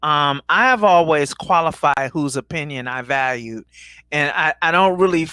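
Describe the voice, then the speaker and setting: A man co-hosts a casual podcast, speaking in a measured, thoughtful way with frequent fillers. His voice is bright and fairly high, and it is recorded dry and close. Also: clean tone, no echo.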